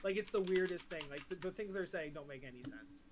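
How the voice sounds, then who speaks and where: A woman's voice: fairly low pitch, lively intonation, a little fast, a loud crowd. A woman running a tabletop game as game master, giggling often and hesitating with lots of ums.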